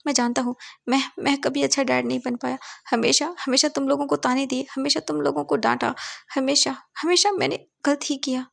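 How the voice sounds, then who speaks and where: A woman's voice: high voice, fairly even intonation, fairly quick, gravelly, a bit bright, heavily acted. A woman voicing a grieving, remorseful middle-aged father who pleads tearfully and stammers, repeating words. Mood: pleading.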